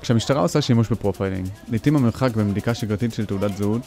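A man reading scripted news narration in a formal, even manner. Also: on the low side, faint music behind.

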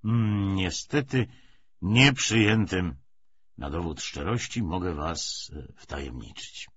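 A man's voice: sits low, takes it slowly, fairly bright tone, husky, dry recording, full character voice. A man reading an audiobook, voicing a weary, cynical, persuasive Bolshevik official with emphatic, hesitating, rhetorical speech. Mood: confiding. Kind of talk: dramatised audiobook dialogue. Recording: dull lo-fi audio, faint noise.

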